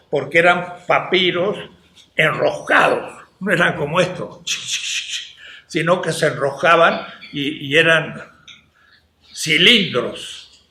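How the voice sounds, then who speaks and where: Older male philosophy lecturer, slightly high voice, very slow delivery, roomy hall sound. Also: sharp tone. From Latin America. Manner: slow, deliberate, with rhetorical questions to the class. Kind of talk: university lecture.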